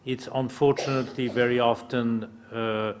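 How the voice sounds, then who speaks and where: A man who works in refugee education, giving a halting, careful answer at a conference panel with many pauses. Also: mid-range voice, level tone, noisy background.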